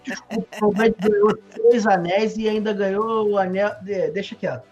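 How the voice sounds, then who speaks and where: A man's voice: high-pitched, steady tone, moderate pace, a little mellow, muffled recording, faint music behind. A Brazilian man in casual live sports banter, blunt and playfully grumbling. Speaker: show regular, panelist.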